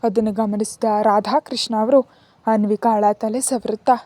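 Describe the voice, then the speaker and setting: Female storyteller, calm even narration, fairly high voice, dry close sound. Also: measured pace, no room sound.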